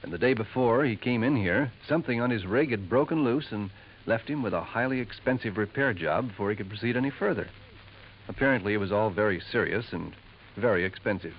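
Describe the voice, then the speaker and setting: A smooth jeweler in a 1950s radio mystery, lowering his voice to share gossip. His tone is confiding and insinuating, set a bit low. The old broadcast is dull with a faint hiss. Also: lively intonation, brisk. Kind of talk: 1950s radio drama acting.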